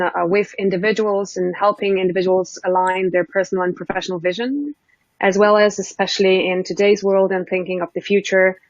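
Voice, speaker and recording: A woman's voice: mid-range voice, no room sound. A woman introducing herself professionally as a consultant on an online panel. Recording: muffled dry online-call audio.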